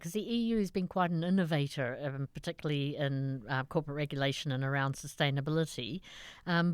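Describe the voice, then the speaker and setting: Female co-host, lower register, reflective conversational interviewer, close dry sound. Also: clean tone, no room sound. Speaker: podcast co-host.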